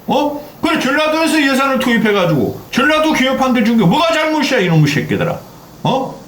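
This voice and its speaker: Older man ranting angrily, high and lively. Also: a little fast. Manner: heated, swearing, repeatedly interjecting "eh?". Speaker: political commentary host. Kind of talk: angry political rant. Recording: echoey room with faint background noise.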